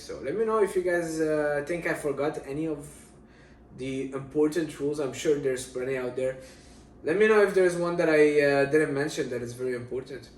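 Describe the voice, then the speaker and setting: A man from Syria in his thirties, giving fitness advice in casual talk to camera and repeating his key points. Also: a little high. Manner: emphatic, repeats key points, addresses viewers as guys. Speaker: fitness vlogger. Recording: roomy, distant from the mic.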